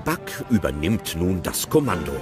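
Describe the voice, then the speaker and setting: Ein männlicher Erzähler führt ausdrucksvoll durch ein Hörspiel. Seine Stimme ist tief und äußerst bewegt in der Melodie. Darunter läuft deutlich hörbare Filmmusik. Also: male voice, deep voice, big pitch swings, normal speed, music in the background. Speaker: narrator. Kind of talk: scripted audio drama narration.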